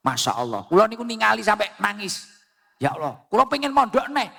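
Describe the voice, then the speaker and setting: A man's voice: sits high, big pitch swings, a little fast, vocal fry, bright, forceful tone, in a large hall. A man with a Javanese accent preaching a sermon on a public mic, telling jokey stories and mixing in Arabic phrases.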